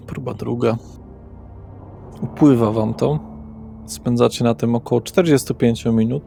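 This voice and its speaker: A man's voice: mid-range voice, steady tone, unhurried, vocal fry, mellow. A man running a tabletop role-playing session as game master, narrating on the fly. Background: music.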